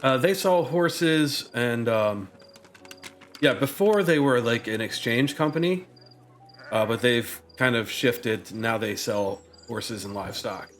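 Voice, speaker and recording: A man running a tabletop game, halting and filling gaps with ums and uhs. His voice sits at an ordinary middle pitch, and soft music plays behind. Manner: hesitant, many ums and uhs. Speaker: game master.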